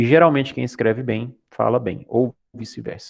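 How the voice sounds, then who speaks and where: A man keeps a moderate pace and ordinary pitch variation against a quiet background. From Goiás, Brazil. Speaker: teacher. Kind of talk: lecture. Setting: online class with screen share.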